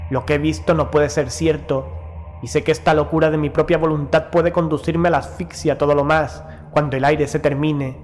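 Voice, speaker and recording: A man's voice: a little high, level tone, close to an everyday voice. A man playing a proud, doomed Prussian naval officer, narrating a horror audio story in a solemn, formal manner as madness haunts him. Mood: stoic resolve. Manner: solemn, formal, measured diction. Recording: music behind the voice. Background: music.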